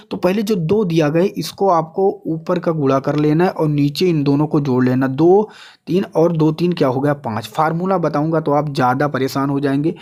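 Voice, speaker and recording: A man's voice: fairly high pitch, darkish tone. A man teaching a lesson step by step, in an instructional way, often asking questions and answering them himself. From India. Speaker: exam coaching teacher. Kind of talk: step-by-step maths and physics lesson.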